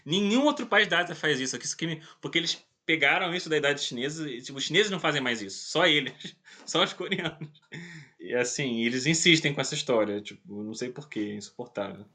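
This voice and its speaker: A man's voice: a little high, animated, a little fast, bright, forceful tone. A man in his late twenties with a Brazilian Portuguese accent, chatting informally and jokily as an interview guest. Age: late 20s. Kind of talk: casual chat.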